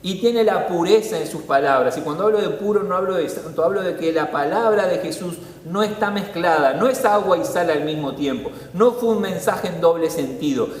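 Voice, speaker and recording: High-voiced preacher in an echoey hall. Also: male voice, brisk, few pauses, far from the mic. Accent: Rioplatense Spanish. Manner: animated, acts out scenes with voices. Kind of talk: sermon. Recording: echoey hall, long reverb.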